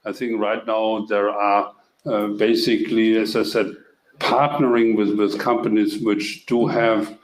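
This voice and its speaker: A somewhat low male voice answers investor questions on an echoey call. The intonation stays level and the explanation comes haltingly, as from a company executive. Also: level tone, slight background noise.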